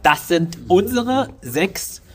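Guest, fairly high voice, a bit sick from a cold, enthusiastic chatter. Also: male voice, expressive, slow, fairly bright tone, breathy edge. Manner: enthusiastic, eager interjections. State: has a cold, coughing. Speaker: podcast guest, wedding videographer. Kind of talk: casual chat.

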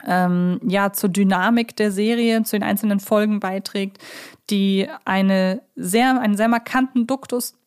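A woman's voice: medium pitch, steady tone, a little slow, clear, resonant tone. A woman with a mid-range voice talks casually as a podcast co-host. She feels her way through her points and often asks for confirmation. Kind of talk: casual conversational discussion.

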